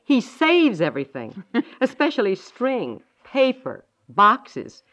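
A woman's voice: mid-range voice, takes it slowly, heavily acted. A woman playing a gossipy, comically exasperated neighbour wife in a 1950s radio comedy. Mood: amused exasperation. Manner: animated, gossipy. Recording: dull vintage 1950s radio recording.

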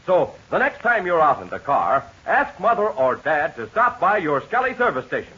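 Old radio announcer guy, american, super lively bright voice, bit husky, salesy, muffled old recording. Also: fairly high pitch, normal speed. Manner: enthusiastic, salesmanlike, addressing young listeners. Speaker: radio announcer and sponsor pitchman. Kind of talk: old-time 1940s radio announcer, serial outro and ad read. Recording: dull, lo-fi vintage radio transcription.

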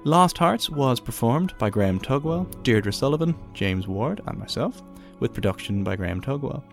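A man's voice: mid-range voice, gravelly. A man hosting a podcast, reading a scripted outro in an informal, appreciative way. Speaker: podcast host.

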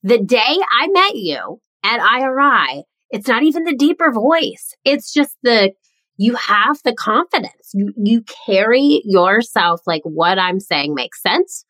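A woman's voice: on the high side, very animated, measured pace, a bit bright, dry recording, rough recording. A woman hosting a podcast, asking questions and reacting in an enthusiastic, encouraging way. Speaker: podcast host. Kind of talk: podcast interview.

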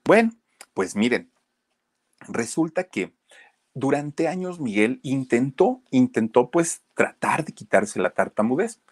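A man's voice: medium pitch, big pitch swings, slow pace, no room sound, clean studio sound. A man with a Mexican accent telling a story in a casual, chatty way, speaking straight to his listeners with plenty of fillers. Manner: addresses listeners directly, chatty with many fillers.

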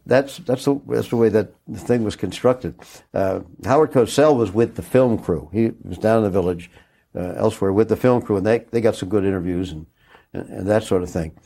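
A low, husky older man tells his story in stops and restarts. His mellow tone carries a quiet emotion as he thinks back. He talks reflectively in an interview. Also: fairly quick. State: moved, choking up. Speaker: interviewee recalling a broadcast.

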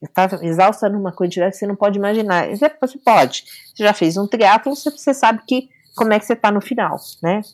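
A middle-aged woman appears as a guest, casually recounting a personal story and acting out the dialogue. Her mid-range voice is animated and fast, with few pauses.

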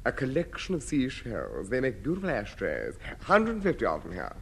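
A sly, genteel householder. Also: male voice, medium pitch, wildly swooping pitch, moderate pace, gravelly, fairly bright tone, a little hiss or hum, exaggerated voice. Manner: genteel, wry, sly selling patter. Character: smug, sly middle-class householder, man. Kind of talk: 1950s radio comedy acting.

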